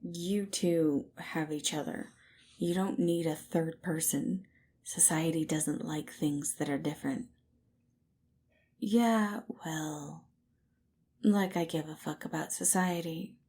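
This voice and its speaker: A sullen, guarded man as a woman reads him, in a fairly low register. He talks curtly and warily, giving ground only grudgingly, as a character in an audio story. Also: takes it slowly, mellow, husky, full character voice. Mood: defiant. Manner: curt, wary, grudging.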